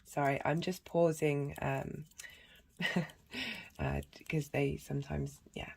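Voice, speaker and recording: A woman with a husky voice and a cough, giving a rambling casual tarot and astrology reading full of fillers and restarts. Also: deep voice, slow, darkish tone. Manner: meandering, many fillers and restarts. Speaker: tarot reader.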